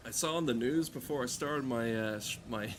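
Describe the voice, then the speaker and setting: A man's voice: mid-range voice, moderate pace, slight background noise. A man streaming a game with casual, rambling commentary, sardonic and given to swearing.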